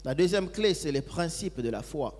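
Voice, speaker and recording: Male sermon interpreter, fairly high voice, follows phrase by phrase, echoey hall. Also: animated, moderate pace, darkish tone. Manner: follows each phrase closely, with occasional hesitations.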